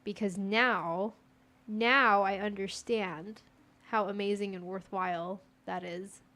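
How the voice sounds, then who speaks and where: This gaming streamer, a young woman from the United States whose first language is Persian, is chatty and talks to herself while playing, fielding viewer chat casually. Her mid-range voice is bright and forceful yet steady in tone, and she speaks slowly.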